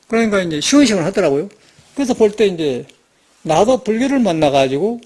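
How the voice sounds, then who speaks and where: A man, a Buddhist monk, giving an informal, rambling sermon full of rhetorical questions and restarts. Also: on the high side. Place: temple meditation hall.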